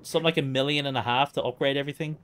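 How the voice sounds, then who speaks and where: Male speedrun streamer, mid-pitched, chatty live commentary, light game ambience underneath. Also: steady tone, racing, fairly bright tone. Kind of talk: casual live gameplay commentary. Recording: faint noise, game audio behind. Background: video game ambience.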